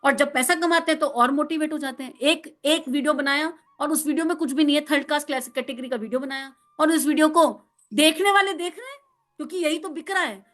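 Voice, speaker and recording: A woman spiritual counsellor giving a devotional talk, animated, acting out little dialogues and laughing often. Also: high-pitched, quick pace.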